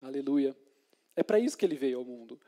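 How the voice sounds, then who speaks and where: A man's voice: medium pitch, lively intonation, brisk, mellow. A man preaching a sermon as a church deacon, speaking conversationally, often tagging questions and dramatizing scripture scenes.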